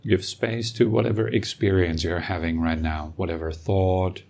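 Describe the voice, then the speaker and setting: Deep-voiced man guiding a slow meditation. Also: creaky. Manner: calm, unhurried, with long pauses. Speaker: meditation teacher and podcast host. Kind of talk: guided meditation, slow and soothing.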